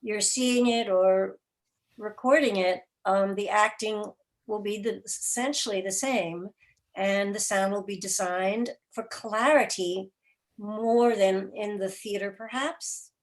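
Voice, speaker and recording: Woman guest explaining stuff in an interview, deliberate, emphatic, choppy little phrases. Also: medium pitch. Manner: deliberate, emphatic, speaks in short broken phrases. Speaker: guest, radio drama and podcast producer.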